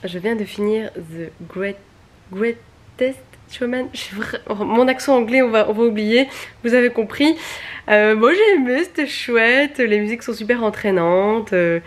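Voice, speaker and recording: A woman's voice: on the high side, normal speed. Chatty young woman vlogging at home. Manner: chatty, many fillers and restarts. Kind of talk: casual vlog chat.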